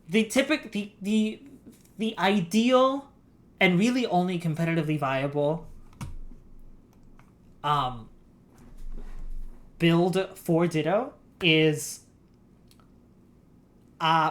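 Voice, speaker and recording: A woman's voice: on the low side, slow, long pauses. A woman streaming a game, explaining game mechanics in a rambling, giggly way. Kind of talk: casual gameplay stream chat.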